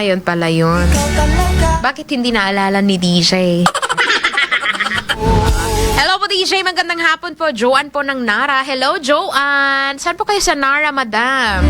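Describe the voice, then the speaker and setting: A woman hosting a call-in radio show, chatty and playful as she reads out listener greetings. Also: on the high side. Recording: music bed playing loudly behind.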